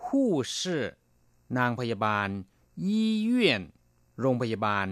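A man's voice: mid-range voice, sing-song, takes it slowly, a bit bright, no room sound, clean studio sound. A man teaching Chinese vocabulary on a radio lesson, explaining each word patiently and repeating it.

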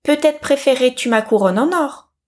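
A woman's voice: high voice, moderate pace, a little mellow, pitched above the performer's own voice, natural voice. A woman doing a whiny spoiled young princess. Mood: bargaining.

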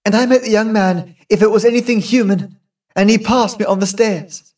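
A man's voice: high-pitched, animated, moderate pace, darkish tone, husky, far from the mic, pitched above the performer's own voice. A male narrator voicing an anxious young woman who pleads and describes a ghost. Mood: frightened. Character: frightened young woman, the daughter.

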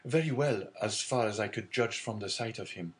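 A man's voice: on the low side, normal speed, lightly acted. A man voicing a polite, earnest young male ship's mate.

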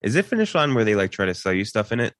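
A male co-host chats informally on a podcast in a deep voice. The recording is dry and close. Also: very animated, very fast, dry recording. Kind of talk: casual chat.

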